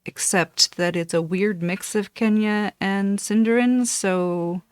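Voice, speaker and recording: Slow-talking woman in her thirties. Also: mid-range voice, steady tone. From Costa Rica. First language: Spanish. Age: 30s. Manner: meandering, self-correcting, chatty. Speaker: cross-stitch vlogger. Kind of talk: rambling casual chat. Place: dark room at home.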